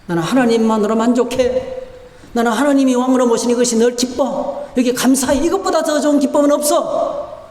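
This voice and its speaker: A man's voice: very high-pitched, fairly quick, a little mellow. A man voicing an earnest young woman musing to herself, in an echoey church hall. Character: content woman in a garden, then tempted.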